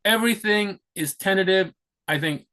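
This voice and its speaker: A high, bright, forceful voice belongs to this young vlogger from the United States, who speaks at a moderate pace. Talking casually to the camera, he rambles about what he plans to do, with many restarts and fillers.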